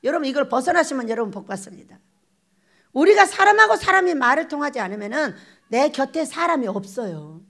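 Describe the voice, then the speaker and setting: An older woman pastor preaching a lively storytelling sermon, acting out little exchanges and laughing as she goes. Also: high-pitched, a little fast. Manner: animated, acts out quoted exchanges, laughs often. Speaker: pastor, head of a prayer retreat.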